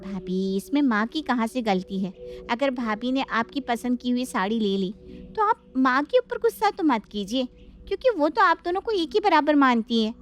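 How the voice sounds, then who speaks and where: Brief: woman playing a young peacemaker sister-in-law, high, sweet and soothing. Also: sing-song, moderate pace, a little hiss or hum. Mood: placating. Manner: placating, gentle.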